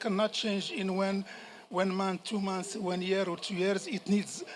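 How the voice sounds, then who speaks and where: In a non-native accent, the words come at a fairly slow pace. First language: not English. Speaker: panelist on education. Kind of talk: panel discussion. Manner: halting.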